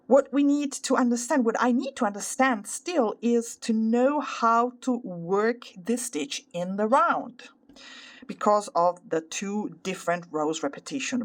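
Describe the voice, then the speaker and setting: A woman with an Italian accent, a native Italian speaker, explaining a craft tutorial carefully, step by step and with pauses. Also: mid-range voice. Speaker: crochet tutorial host. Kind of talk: instructional craft tutorial, unscripted.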